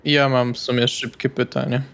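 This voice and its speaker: A man's voice: medium pitch, little pitch movement, moderate pace, gravelly, fairly bright tone. A man playing a tabletop role-playing game, speaking in short casual remarks. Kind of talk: casual role-play chat.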